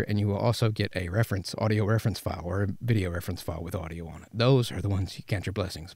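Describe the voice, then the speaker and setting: A man's voice: fairly low pitch, a little mellow, no echo. A man in his thirties giving informal voice acting instruction in a conversational way on a studio mic. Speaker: professional voice actor giving tips. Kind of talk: informal instructional talk to camera. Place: small padded vocal booth, indoors. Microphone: studio condenser with pop filter.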